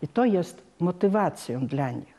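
A woman in her sixties speaks as a parish guide. Her voice is low for a woman and quite dark. She delivers a prepared account with formal earnestness. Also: animated, measured pace. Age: 60s. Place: inside a wooden church.

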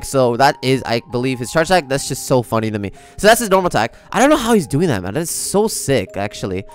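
A man speaking as a gaming YouTuber, giving casual, slangy, conversational reaction commentary and sometimes reading aloud. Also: medium pitch.

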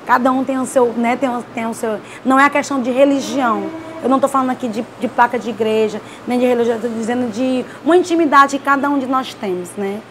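A woman, a city councilor, telling a personal story as emotional testimony. She is an animated storyteller whose voice often drops low and soft. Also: quick pace, hardly any pauses, slight background noise.

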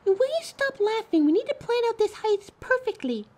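A woman's voice: extremely high pitch, sing-song, fairly quick, a little mellow. A woman playing a flustered, defensive young thief with electric powers in an audio drama, chatty and indignant. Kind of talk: scripted audio drama, one side of a phone call. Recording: clear background noise, coffee house ambience.

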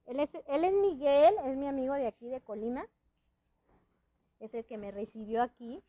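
A woman's voice: sits high, normal speed, dull audio. A woman hosting a casual live-stream chat from a friend's house, rambling with many restarts and little laughs, her speech a bit hampered by a dental palate. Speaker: host.

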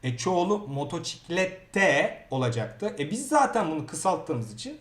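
A Turkish-speaking man teaching grammar in a lively way, often checking in with the learner. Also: a little high, measured pace, roomy sound. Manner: lively, repeats words and asks "okey?". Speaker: Italian teacher. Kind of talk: grammar lesson.

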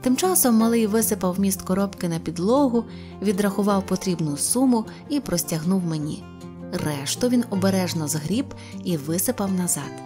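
A woman narrating a scripted fairy tale in a soft, measured storytelling voice. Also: mid-range voice, expressive, over music.

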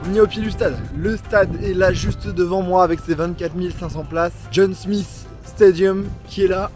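A man's voice: high voice, fairly even intonation, moderate pace, over music. A young man in his twenties, talking to a handheld camera as he walks around a football stadium, chatty and enthusiastic as he explains what he sees. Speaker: football vlogger. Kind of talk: casual walk-and-talk vlog narration. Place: outdoors around a football stadium, then in the stands. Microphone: handheld camera at arm's length.

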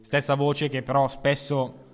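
A man's voice: mid-range voice, monotone, a little slow, long reverb tail, a little hiss or hum. A man co-hosting a music history video, joking and chatty in a scripted explainer. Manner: jokey, chatty, self-mocking. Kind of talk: scripted explainer with playful banter.

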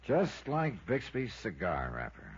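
A tough wry american insurance detective, deep husky voice, old radio show. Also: male voice, wildly swooping pitch, a little slow, full character voice. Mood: wry, frustrated. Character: tough, sardonic, soft-hearted male insurance investigator. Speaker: lead actor and narrator. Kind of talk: 1950s radio detective acting. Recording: dull, muffled vintage radio recording.

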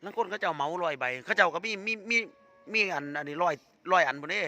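A man with an Isan accent hosting a village vlog, chatting with a friend and promoting a raffle in a lively, joking way. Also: high-pitched, fast, faint music behind. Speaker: vlogger host. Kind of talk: casual chat and live promotion.

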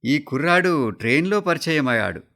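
A brisk, offhand young man who speaks plainly and without fuss, as a male narrator puts him on. His voice sits higher and a little louder than the narrator's own. The part is heard in a radio story reading. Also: animated. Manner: brisk, matter-of-fact.

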